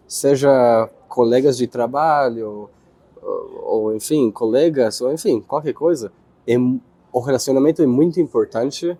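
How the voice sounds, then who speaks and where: A young man from Israel with an Israeli accent, answering interview questions in his second language, pausing and searching for words. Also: medium pitch, mellow, no echo. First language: Hebrew. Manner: hesitant, searching for words, with restarts.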